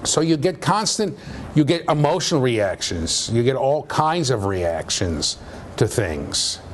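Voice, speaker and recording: Male professor, low voice, animated pitch, keeps asking "okay?", classroom tape with light noise. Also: a little slow. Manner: conversational, checks understanding with frequent "okay?". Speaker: university lecturer. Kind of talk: classroom lecture. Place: lecture room.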